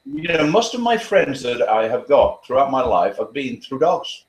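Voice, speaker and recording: A man giving earnest advice as a dog trainer in an interview, talking quickly with frequent restarts. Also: mid-range voice, sing-song, reverberant, rough recording.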